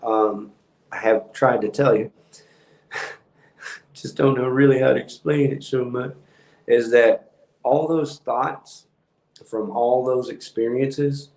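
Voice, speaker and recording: A man, hosting a livestream and rambling in a calm monotone with many ums. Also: mid-range voice, slow, long pauses, reverberant, low-quality recording. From Texas. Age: 50s. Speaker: house painting business owner hosting a livestream. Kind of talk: rambling casual livestream talk.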